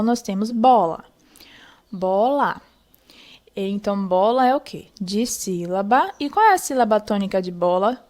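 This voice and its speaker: A young woman with a fairly high voice teaches an online lesson. She explains slowly and patiently, step by step, and checks in often to make sure her students follow. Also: a little mellow.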